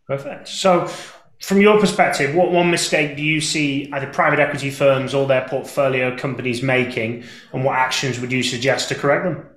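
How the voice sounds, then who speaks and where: Male podcast host, upbeat and affirming, mid-pitched voice in an echoey room. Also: fairly even intonation, normal speed, a bit bright. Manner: upbeat, affirming, "makes sense" and "absolutely". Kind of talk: podcast interview questions.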